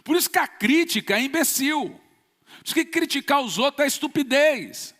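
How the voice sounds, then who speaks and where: High, forceful preaching man in reverb. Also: lively intonation, normal speed. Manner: emphatic, forceful preaching with sudden bursts. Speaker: pastor. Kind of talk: sermon. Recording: long church reverb.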